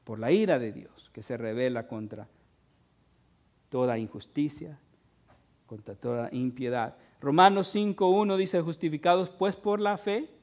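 A man's voice: on the high side, a little slow, darkish tone. A man. He talks in a conversational way, tossing in short questions to the listeners. His voice rises in force on the points he stresses. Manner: conversational preaching, tag questions, rising emphasis. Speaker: pastor. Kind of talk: sermon.

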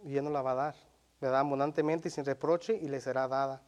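A man preaching a sermon in Spanish, earnest and repetitive, often checking in with listeners and reading Bible verses aloud slowly. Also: medium pitch, fairly even intonation, a little mellow, muffled recording. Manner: earnest, repeats himself, asks the congregation "¿verdad?". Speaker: lay preacher.

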